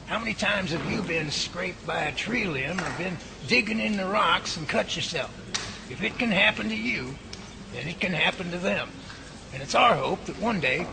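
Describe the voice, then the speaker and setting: An actor playing a research lab leader guiding a new team member around, explaining steadily. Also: male voice, sits high, vocal fry. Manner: steady, explanatory tour guide. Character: Bigfoot lab head giving a tour. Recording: noisy home-made audio drama.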